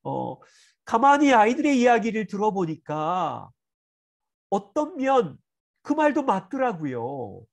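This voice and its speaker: Animated, high-pitched Korean pastor teaching. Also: male voice, takes it slowly, vocal fry. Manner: earnest, acts out parent and child dialogue. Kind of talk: teaching a church parenting seminar.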